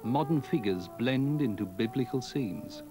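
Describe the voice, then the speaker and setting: A man giving a measured, formal scripted narration for a documentary. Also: medium pitch, lively intonation, over loud music.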